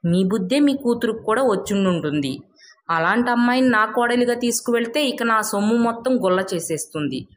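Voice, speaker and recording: A woman's voice: on the high side, animated, brisk, a little hiss or hum, lightly acted. Woman voicing a wealthy, judging village elder. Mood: stern. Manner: declarative, judging. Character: stern wealthy village father-in-law testing families.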